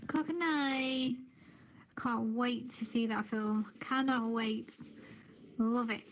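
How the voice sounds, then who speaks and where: A woman's voice: fairly high pitch, steady tone, takes it slowly, a little hiss or hum. A woman co-hosting in casual chat, gushing and repeating herself for emphasis. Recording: dull, lo-fi audio.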